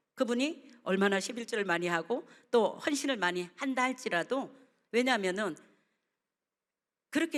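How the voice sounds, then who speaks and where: In a very clean recording with a silent background, a woman speaks loudly at a fairly slow pace, her high voice animated and swinging very widely in pitch. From South Korea. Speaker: pastor. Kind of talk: testimony sermon.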